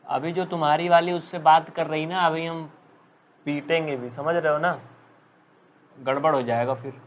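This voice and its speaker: Higher-pitched man teaching math, scolding. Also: fairly even intonation, normal speed, a little hiss or hum. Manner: scolding, teasing students, reading out commenters' names. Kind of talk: live online class lesson.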